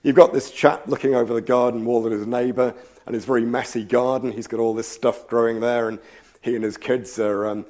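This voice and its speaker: A man's voice: medium pitch, a little mellow. Man lecturing with a slight cold. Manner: thoughtful, rambling, frequent ums and asides. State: slight cold, losing his voice. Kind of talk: public science lecture. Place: lecture hall.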